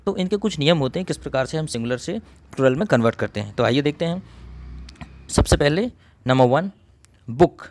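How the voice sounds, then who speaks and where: Man explaining grammar step by step. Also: medium pitch. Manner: explains step by step, repeats himself, often clears his throat. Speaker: English grammar teacher. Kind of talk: recorded coaching lesson.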